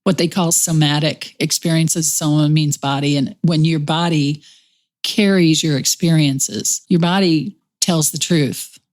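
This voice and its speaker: A middle-aged woman with a Texas accent talks in a calm, reflective way. Her voice sits a little low, and she keeps a gentle, reassuring tone as she explains ideas in conversation. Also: measured pace. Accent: Texan. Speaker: podcast host. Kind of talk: conversational podcast chat.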